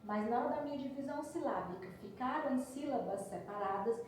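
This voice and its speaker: A female teacher gives a patient recorded review lesson, explaining step by step and checking in with frequent tags. Her voice is a little high and fairly quick, with slight background noise and a roomy echo from a distance.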